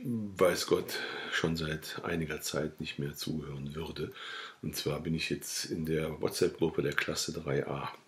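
A deep-voiced man reads a novel aloud in an easygoing, unpolished way. He chats between passages and stumbles and corrects himself now and then. His voice sits low and steady. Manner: chatty, joking asides, occasional self-corrections. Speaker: audiobook reader. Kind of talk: casual reading of a novel.

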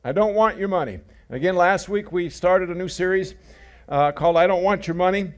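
A middle-aged man preaching, with a voice pitched high for a man. He tells folksy stories, slips in jokes and says his main points twice. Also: brisk. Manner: folksy storytelling with jokes and repeated key phrases. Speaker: pastor. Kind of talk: sermon.

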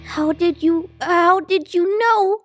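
A woman voicing an eager, naive young male superhero dog in a cartoon, earnest, excitable and hapless. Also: very high voice, slow, soft background music. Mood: startled. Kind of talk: cartoon voice acting.

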